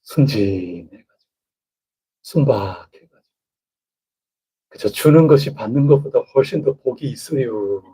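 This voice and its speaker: A man's voice: mid-range voice, brisk, hardly any pauses, mellow, slightly rough. A male pastor preaching a midweek sermon in a chatty, conversational way, often turning to the congregation with questions. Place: church sanctuary. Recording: dull lo-fi church recording.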